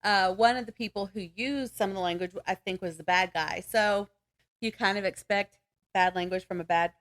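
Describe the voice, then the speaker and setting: A woman's voice: medium pitch, steady tone, normal speed, fairly bright tone. Giggly woman chatting casually. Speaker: podcast co-host. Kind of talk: casual book chat.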